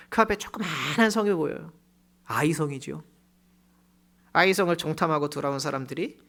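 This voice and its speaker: A pastor giving a sermon in a church, telling a story with loud emphasis that drops to hushed, low phrases. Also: gravelly. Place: church sanctuary.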